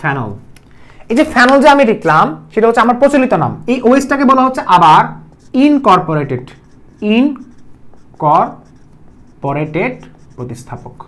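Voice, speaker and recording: A man's voice: very high voice, sing-song, a little fast, a bit bright. A man with a Bangladeshi Bengali accent giving a chemistry video lecture, repeating key terms and quizzing the viewer with questions. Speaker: chemistry teacher.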